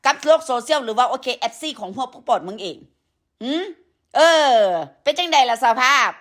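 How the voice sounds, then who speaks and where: A woman's voice: sits high, animated, moderate pace, fairly bright tone. A woman with an Isan Thai accent and a sore throat from a cold, ranting crudely and scolding at length in a live stream, with many fillers. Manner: crude, scolding, heavy with profanity; peppers talk with fillers. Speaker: livestreamer addressing followers.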